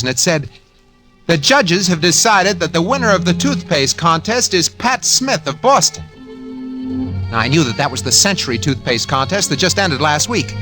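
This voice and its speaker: An actor playing a scheming small-time office porter in an old radio drama, raving when drugged and sly when narrating. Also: male voice, fairly high pitch. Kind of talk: 1940s radio acting.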